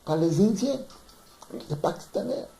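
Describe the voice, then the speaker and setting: Expressive and unhurried, this man from Ivory Coast preaches scripture in a warm, creaky voice on the high side. He is emphatic and impassioned, repeating words as he searches for them, in an echoey room in London.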